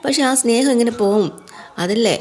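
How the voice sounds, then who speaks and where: A woman's voice: fairly high pitch, moderate pace, a little mellow, voice pushed up, lightly acted. A woman voicing a young wife torn between anger at her wayward brother and love for him, pleading and weary.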